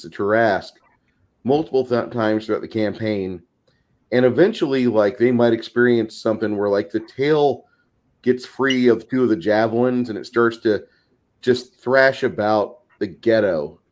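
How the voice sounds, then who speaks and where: A man's voice: on the low side, a little mellow. A man casually explaining ideas as host of a tabletop gaming discussion, in a rambling, recommending way.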